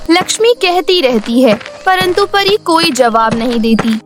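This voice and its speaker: High-pitched woman narrating a fairy tale. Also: animated, unhurried. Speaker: storyteller.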